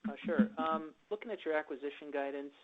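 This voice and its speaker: A man's voice: fairly high pitch, brisk, a crowd in the background. A man analyst asking questions on an earnings call in a friendly, casual way. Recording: tinny phone line.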